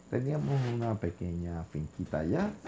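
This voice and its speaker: Speaking at a moderate pace, a man has a dark, mellow tone and a somewhat breathy sound. His pitch swings very widely. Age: 50s. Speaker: podcast co-host. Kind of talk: casual chat.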